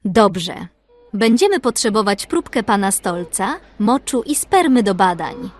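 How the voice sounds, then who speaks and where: A woman's voice: mid-range voice, big pitch swings, a little slow. A woman voicing a businesslike female doctor in a cartoon comedy sketch.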